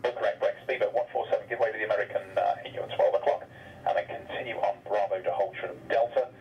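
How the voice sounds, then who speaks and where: A man's voice: on the low side, fairly even intonation, fast talker. A man working as an air traffic controller, giving clipped procedural instructions in air traffic control radio style. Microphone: aviation radio. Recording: noisy, muffled distant radio transmission.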